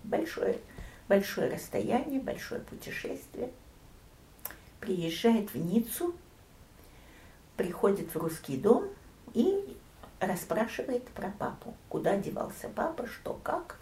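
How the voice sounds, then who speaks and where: An older woman recounting family memories in an interview, storytelling with lively swings and soft near-whispered asides. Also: mid-range voice, slow, long pauses, roomy sound. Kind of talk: oral history reminiscence.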